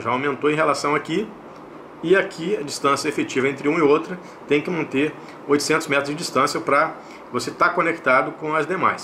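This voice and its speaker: A Brazilian man with a slightly high voice presents a product in a casual review style. He explains each detail, often repeating a point and adding short check-in questions. A faint layer of background noise sits behind him. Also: pushed and bright. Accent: Brazilian Portuguese. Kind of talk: casual unboxing and review narration.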